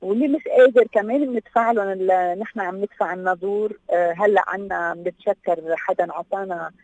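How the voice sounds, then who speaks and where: A woman's voice: medium pitch, fairly quick, darkish tone, no echo, dull audio. A woman with a Lebanese Levantine Arabic accent explaining things as an interview guest, dropping in English words. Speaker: guest, health awareness association representative. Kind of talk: radio interview, explanatory talk.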